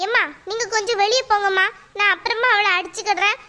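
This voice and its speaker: Woman voicing a patient cartoon teacher; very high, bright, reasoning tone. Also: steady tone, fast talker. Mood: calm firm. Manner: soothing, firm, reasoning. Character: patient school teacher, calm and weary. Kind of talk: cartoon voice acting.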